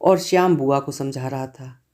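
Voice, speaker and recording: A man reading a literary short story aloud as narrator, in a measured, expressive way. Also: medium pitch.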